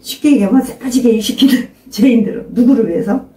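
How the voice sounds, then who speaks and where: Speaking fast in a mellow, fairly high voice, an older woman pastor preaches informally to a small congregation. She presses her listeners with emphatic questions and calls on them to pray out loud, captured from a distant mic with roomy echo.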